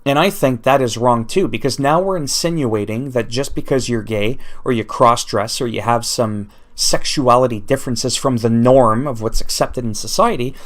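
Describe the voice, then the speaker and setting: A man whose first language is French, ranting off the cuff in an unscripted vlog commentary and thinking aloud as he goes. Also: mid-range voice. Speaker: YouTuber.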